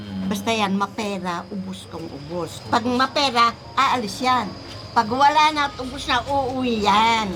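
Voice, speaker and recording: Music plays in the background as a woman with a fairly high pitch speaks fairly slowly with lively intonation. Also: big swings in loudness. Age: 80s+. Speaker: elderly sister of the featured woman. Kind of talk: casual interview.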